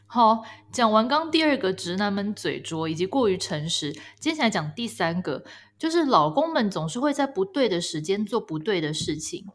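A woman co-hosting a casual chat podcast, telling stories in an exasperated, animated way. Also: mid-range voice, moderate pace, hardly any pauses. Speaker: podcast co-host.

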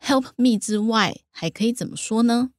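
A woman hosting an English lesson, guiding a casual chat briskly with follow-up questions. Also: on the high side, darkish tone, no room sound, studio quality. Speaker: host.

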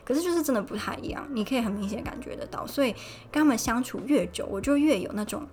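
A woman's voice: on the high side, fast talker, slight background noise. A young woman from Taiwan hosting a casual solo podcast, chatty and retelling conversations. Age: young adult. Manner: chatty, recounts dialogue with animated quoted voices. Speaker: podcast host. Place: Poland.

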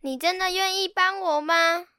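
A high-pitched young vampire tour guide played by a woman from a children's storybook. He sounds whiny and flustered, always pleading, with a sharp, bright edge. The sound is dry and close. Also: steady tone, normal speed, dry recording. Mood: surprised.

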